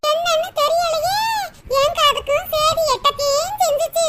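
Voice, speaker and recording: A woman doing a loud nosy village gossip. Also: extremely high pitch, fairly even intonation. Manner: brash, quick gossip. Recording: loud background noise with clicks.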